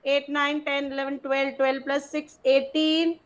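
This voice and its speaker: A woman's voice: sits high, flat delivery, a little slow. A woman with a South Asian accent teaching an interactive maths class, prompting students with short step-by-step questions.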